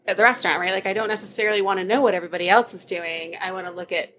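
A woman's voice: medium pitch, steady tone, racing, a bit bright, slight background noise. A woman co-hosting a podcast, talking casually and practically at a busy conference. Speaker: podcast co-host. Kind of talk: casual chat.

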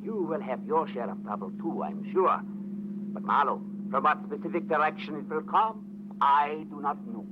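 An actor playing a formal, ominous man in an old radio detective drama, speaking deliberately. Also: fairly high pitch, close to an everyday voice. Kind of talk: 1940s-50s radio noir acting. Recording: very noisy, muffled old radio recording.

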